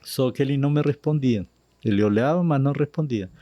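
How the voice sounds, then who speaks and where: A man's voice: mid-range voice, dry recording, dull audio. A man from Argentina, a Spanish native speaker, telling his story as a missionary guest in a podcast interview in Portuguese with an Argentine accent, drifting into Spanish words. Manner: slow, animated retelling with Spanish words slipping in.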